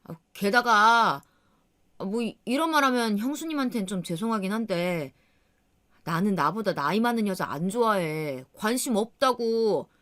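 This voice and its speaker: An exasperated young husband in a radio drama, voiced by a woman reading the story. He argues in an insistent, lecturing way with a lively, rising and falling pitch. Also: moderate pace, close to an everyday voice.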